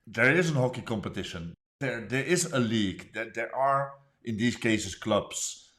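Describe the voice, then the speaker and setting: A man's voice: medium pitch, animated, unhurried, a bit bright. A man interviewing a guest, asking questions with hesitations and restarts and offering frequent short agreements.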